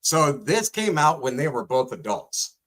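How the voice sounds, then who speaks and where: A man's voice: medium pitch, very animated, a little slow, a bit bright. A man co-hosting a talk show, chatting and telling stories casually. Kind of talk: casual chat and storytelling.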